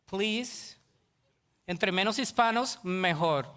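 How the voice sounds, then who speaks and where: Dismissive assimilated man shrugging off his roots, breezy English asides, as a preacher puts him on, bright voice. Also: sits high, drawn-out words, smooth, exaggerated voice. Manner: dismissive, mixes in English phrases.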